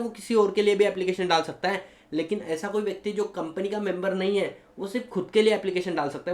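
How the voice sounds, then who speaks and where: A man with an Indian accent teaching law to a class, animated and switching between Hindi and English, often asking students if they follow. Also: sits high, echoey room. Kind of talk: classroom lecture.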